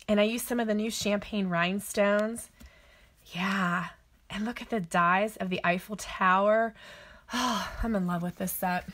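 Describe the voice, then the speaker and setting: A woman's voice: mid-range voice, a bit bright, a little hiss or hum. A middle-aged woman hosting a casual catalog walk-through, chatty and gushing, thinking aloud as she shows her cards. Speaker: papercraft demonstrator.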